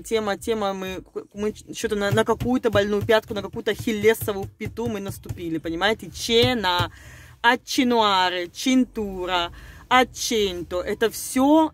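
A woman talking casually and conspiratorially to her viewers, rambling and hesitant, breaking off words and repeating them as she chews over word roots aloud. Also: fairly high pitch. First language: Russian. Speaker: video blogger. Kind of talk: casual speculative monologue to viewers.

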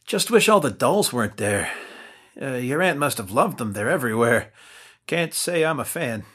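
A man's voice: mid-range voice, very animated, moderate pace, fairly bright tone. A man voicing Adam, a young man who leads the group with a wry, commanding manner, in an amateur audio drama. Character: young man Adam, leader of a monster hunt.

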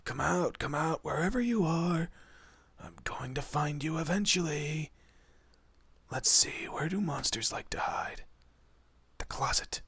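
Man playing a husky, intense protective monster. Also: a little high, lively intonation, a little slow, fairly bright tone, no room sound, exaggerated voice. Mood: taunting, threatening. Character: protective male monster, menacing to foes, tender to his human. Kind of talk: dramatic horror roleplay audio.

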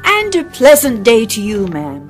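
An actor playing a polite, flustered, apologetic white rabbit gentleman in an audio drama. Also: mid-range voice, huge pitch swings, measured pace, faint music behind. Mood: courteous. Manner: flustered, exclamatory, courteous.

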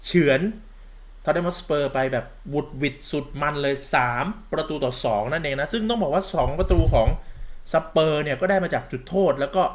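A man's voice: on the high side, moderate pace. Campy, sarcastic man ranting about football. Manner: sarcastic, mocking and crude-mouthed; campy, calls himself big sister. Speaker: football vlogger. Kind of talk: casual football commentary rant.

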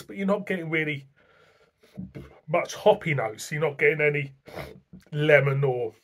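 A man's voice: fairly high pitch, a bit bright. A middle-aged man reviewing a beer to camera in a casual, rambling, plain-spoken way, recorded in a small room at home.

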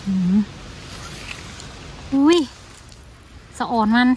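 A young woman with an Isan Thai accent, chatting casually and excitedly to viewers while foraging outdoors, full of exclamations. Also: very slow. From Isan, Thailand. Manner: exclamatory, excited, mixing in dialect. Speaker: vlogger, forager. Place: outdoors in a leafy forest. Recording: noisy outdoor phone-video sound.

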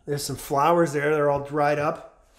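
Sniffly 40s guy filming an empty house on a handheld cam, chatty, higher voice, keeps saying guys. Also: level tone, unhurried. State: sniffly, runny nose. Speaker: urban explorer vlogger. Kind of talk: casual walkthrough narration. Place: empty abandoned house, indoors. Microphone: handheld camera.

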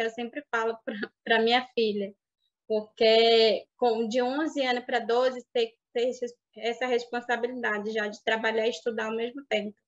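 A woman in her thirties whose first language is Baniwa, telling her life story in an interview, reflective and halting, over a video call. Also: fairly high pitch. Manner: reflective, halting with restarts and soft fillers. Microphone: webcam on video call. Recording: dull lo-fi video call audio.

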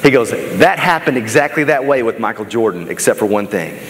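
A man's voice: medium pitch, expressive, a little fast. A middle-aged American man giving a motivational keynote, telling stories in an emphatic, dramatic and conversational way. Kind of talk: animated stage storytelling. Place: large stage in an auditorium, indoors. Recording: echoey hall, noticeable background noise.

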